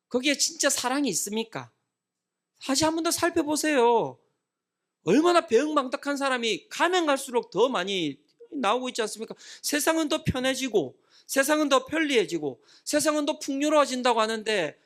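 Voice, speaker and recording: Middle-aged male pastor, animated delivery, quizzes the congregation and answers himself. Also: very high-pitched. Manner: asks the congregation questions and answers them; acts out scolding parents and children. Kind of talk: midweek prayer meeting sermon.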